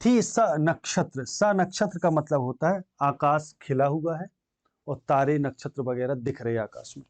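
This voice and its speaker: A man with a somewhat high voice teaches a class lesson on poetry. He recites verse lines in a slow, drawn-out way, then explains their meaning in a plain teaching tone. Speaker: Hindi teacher.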